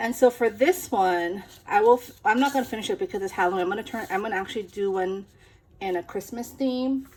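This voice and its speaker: Lively in intonation and fairly high in pitch, a woman speaks at a very fast pace with big swings in loudness. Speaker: paper craft YouTuber. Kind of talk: casual chat; tutorial. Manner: many fillers and restarts.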